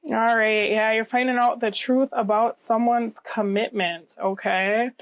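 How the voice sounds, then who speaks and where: The recording is dry: a woman's slightly high voice, level in tone and a little slow, gives a casual tarot reading on her channel. She is getting over a cold, which leaves her slightly scratchy and nasal, and she talks conversationally, often checking in with the listener.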